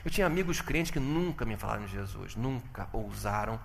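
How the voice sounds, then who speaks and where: A man giving a testimony sermon, telling his story with animated swings from loud exclamations to hushed tones. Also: on the low side, a little fast, vocal fry, in a large hall, a little hiss or hum.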